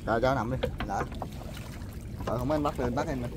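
A man hosting a fishing vlog, calling out excitedly to his friends and the viewers from a small river boat. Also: mid-range voice, brisk. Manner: excitable, calls out and whoops. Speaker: vlog host. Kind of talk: excited casual commentary on a fishing trip. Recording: outdoor boat noise.

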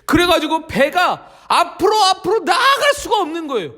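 A man leading a children's worship service, telling a story in an animated, exclamatory way and asking the children questions. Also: extremely high pitch, moderate pace.

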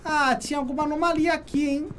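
A man's voice: very high-pitched, steady tone, fast talker, fairly bright tone, slight background noise. A man with a Brazilian Portuguese accent giving casual let's-play commentary, murmuring a running checklist of what he sees and talking to his chat. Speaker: gaming streamer.

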